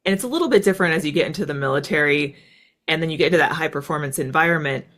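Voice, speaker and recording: This former fighter pilot from the United States talks fast in a deep, somewhat bright voice. As an interview guest, she reflects in a loose, conversational way, leaning often on "like" and "right."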